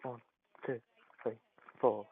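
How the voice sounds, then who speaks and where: A man calling emergency services by phone, answering a dispatcher in short, halting replies. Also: mid-range voice, fairly even intonation. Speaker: emergency caller. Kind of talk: responding to a dispatcher during an emergency call. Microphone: telephone call. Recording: muffled, noisy emergency phone line.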